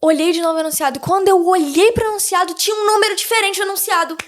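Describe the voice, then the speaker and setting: A teenage girl speaking as a podcast guest, telling a lively story about her faith with frequent restarts. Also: very high voice, racing. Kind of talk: casual faith testimony.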